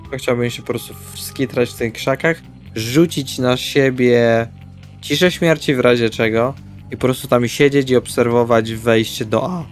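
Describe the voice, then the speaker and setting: A man's voice: medium pitch, fairly even intonation, moderate pace. A man playing in a tabletop roleplaying game, talking casually both in and out of character. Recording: background music with guitar. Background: guitar music.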